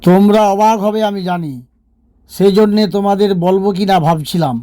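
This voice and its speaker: A man playing a thoughtful, fair-minded king in a cartoon storybook tale, explaining himself in a measured, reasoning way. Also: sits high, warm tone, clear, resonant tone, natural voice. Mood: thoughtful, resolved.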